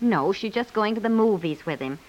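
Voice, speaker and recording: An actress playing an excitable, affectionate wife and mother who gushes and fusses in a 1950s radio comedy. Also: mid-range voice, brisk, dull audio, natural voice. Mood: excited. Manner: gushing, fussing, emphatic.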